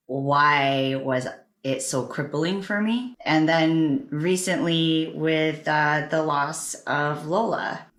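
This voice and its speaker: A woman's voice: sits low, fairly bright tone. A woman with a Canadian accent sharing personal experience as a panelist in a discussion. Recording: roomy, echoing sound.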